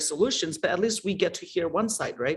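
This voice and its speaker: There is some breathiness in this voice. The delivery runs fairly fast. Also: woman. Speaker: entrepreneur guest. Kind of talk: casual chat.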